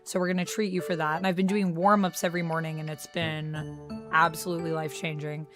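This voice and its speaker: Streamer woman, lowish voice, chatty and easygoing, faint music underneath. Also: level tone, a little fast. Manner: chatty, reads chat aloud. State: recovering from vocal strain. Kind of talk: casual live-stream chat.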